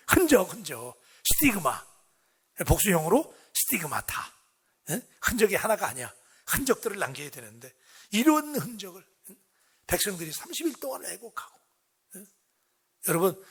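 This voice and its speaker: A man's voice: a little high, a bit bright, slightly rough. A middle-aged man preaching a dawn sermon in a church, talking conversationally and tossing questions to the congregation. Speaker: pastor. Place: church sanctuary.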